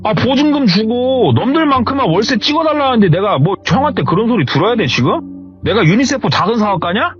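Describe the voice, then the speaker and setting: A man voicing a petulant younger male cousin who shouts back in a high, whiny voice. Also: sing-song, fairly quick, soft background music. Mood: indignant. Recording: slightly muffled lo-fi recording.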